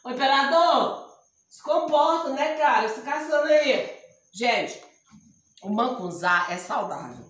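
A middle-aged woman from Ceará with a northeastern Brazilian accent, hoarse, chatting and joking to camera in her home vlog. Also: sits high, lively intonation, takes it slowly, a bit bright. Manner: joking, chatty, laughs often. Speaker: vlogger. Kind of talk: casual chat to camera. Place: small room indoors at home. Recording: echoey room.

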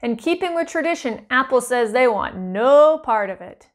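A woman in her thirties co-hosting as a parody news anchor, reading scripted joke headlines with deadpan, mock-serious delivery. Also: on the high side, moderate pace.

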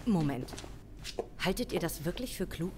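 A woman playing a level-headed senior police official in an audio drama, measured, formal and decisive. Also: lowish voice, expressive, background noise, close to an everyday voice. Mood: grave, decisive. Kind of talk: German audio drama acting.

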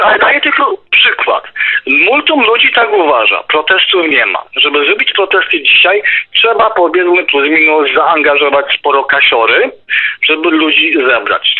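A man's voice: fairly high pitch, sing-song, normal speed, husky. A man in a heated informal radio discussion, talking bluntly and emphatically and repeating his words. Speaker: talk show participant. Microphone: remote call. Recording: narrow tinny phone-line sound.

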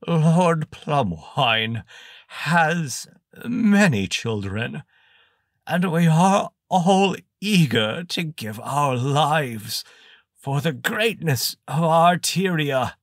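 A man voicing a scrawny cloned homunculus creature with a squeaky, wheezing voice and slow, gloating menace. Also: expressive, no echo, studio quality, exaggerated voice. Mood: menacing. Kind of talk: audiobook character voice.

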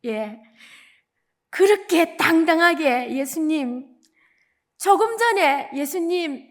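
Woman evangelist from Gyeongsang, high-pitched, lively storytelling preacher. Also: takes it slowly. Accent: Gyeongsang Korean. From Gyeongsang region, South Korea. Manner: animated storytelling, acting out quoted lines. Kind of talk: dawn service sermon.

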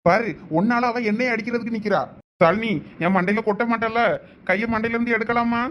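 A young man voicing a village husband and his teasing friend in a comedy drama, with quick chatty banter and worried asides. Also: very high voice, steady tone, lo-fi sound, slight background noise. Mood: pleading.

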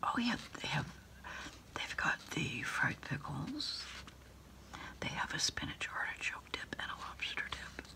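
Slow whispering American woman. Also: deep voice, very animated, vocal fry. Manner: unhurried, hesitant, pausing as if listening to a caller. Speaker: ASMR creator role-playing a food delivery order taker. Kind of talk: whispered ASMR phone order role-play.

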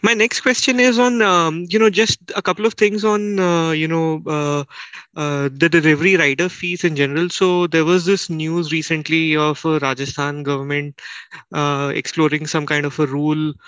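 A man speaking as a financial analyst, asking halting questions on an earnings call. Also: on the high side, fairly even intonation, a bit bright, clear, resonant tone, no room sound, muffled recording. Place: conference call.

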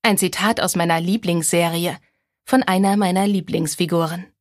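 A young woman narrating a first-person romance audiobook with calm, clear delivery. Her voice sits fairly low for a woman. The recording is close and completely dry. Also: normal speed, no echo.

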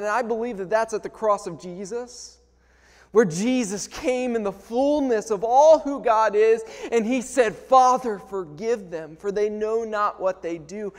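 A man in his thirties preaching a sermon earnestly, often restarting and repeating words as he goes. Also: very high-pitched. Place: large wooden-panelled church, indoors. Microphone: clip-on lapel microphone. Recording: long church hall reverb.

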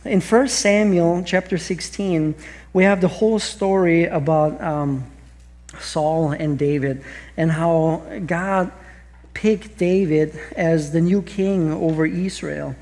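Speaking slowly and a little mellow, this middle-aged man has a fairly high pitch and a steady tone. He's a pastor with an Austrian accent, earnestly delivering a sermon on a large church stage in front of an audience, frequently restarting and asking rhetorical questions.

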